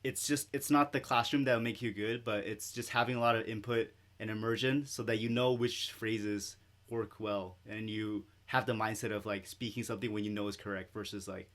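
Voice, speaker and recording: A man's voice: on the low side, fairly even intonation, brisk, few pauses, a bit bright. A man hosting a podcast, who asks questions in a curious, conversational way. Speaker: podcast host. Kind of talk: casual interview conversation.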